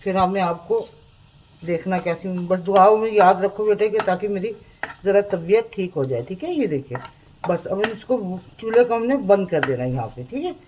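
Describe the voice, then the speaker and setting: A woman's voice: medium pitch, lively intonation, normal speed, a little mellow, slight background noise, rough recording. A older Pakistani Urdu-speaking woman with a sore, strained throat, hosting a home cooking tutorial in a motherly way that keeps saying "okay" to her viewers. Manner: motherly, calls viewers "beta", repeats "theek hai". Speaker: cooking channel host. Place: home kitchen at the stove.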